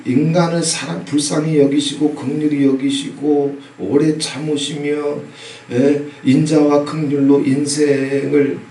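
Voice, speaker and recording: A man's voice: a little high, flat delivery, measured pace. Middle-aged male pastor, emphatic sermon with audience prompts, echoey church recorded from a distance. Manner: emphatic preaching with repeated "예?" prompts and sudden loud bursts. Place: church sanctuary. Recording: echoey hall, from a distance, faint noise.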